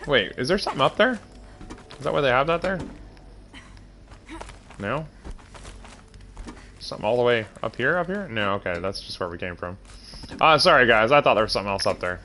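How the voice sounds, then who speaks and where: A man's voice: medium pitch, lively intonation, brisk, pauses often, bright, forceful tone, slight background noise. A man streaming a game who sounds nasal and congested, rambling in chatty asides to his viewers. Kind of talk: casual game commentary.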